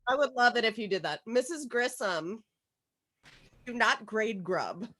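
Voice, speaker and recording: A woman's voice: fairly high pitch, measured pace. A woman chatting casually and playfully as she hands out parts for a group script read on a video call. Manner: playful, excitable, casually sweary. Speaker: organizer of an online script table read.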